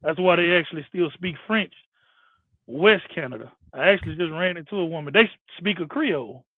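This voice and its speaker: A man's voice: on the high side, fairly quick, dry recording. A man on an online panel, chatting casually and explaining history with many restarts. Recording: tinny phone-line sound.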